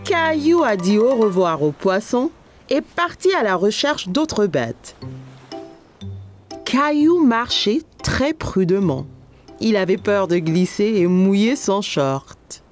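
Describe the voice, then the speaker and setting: Brief: female cartoon narrator, lively storybook delivery, faint music behind. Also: medium pitch, takes it slowly. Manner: clear, storybook-like telling.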